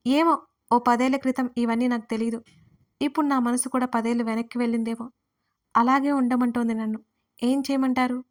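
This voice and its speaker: A woman's voice: on the high side, fairly even intonation, a little fast, long pauses, natural voice. A woman voicing a young wife who answers her husband in a teasing, pointed way in an audio drama.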